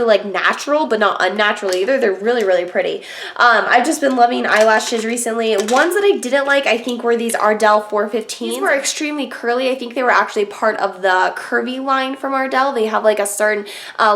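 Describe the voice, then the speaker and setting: A woman's voice: on the high side, a bit bright. A young woman with a stuffy, congested voice, chatting casually through a product review with lots of filler words. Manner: chatty, filler-heavy, frank opinions. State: congested from a cold. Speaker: beauty vlogger.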